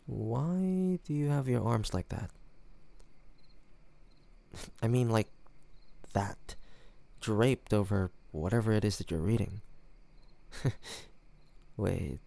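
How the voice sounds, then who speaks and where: A man's voice: fairly low pitch, vocal fry, a little mellow, no room sound. A man acting a cocky young student in an audio roleplay, teasing and mocking an academic rival. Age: young adult.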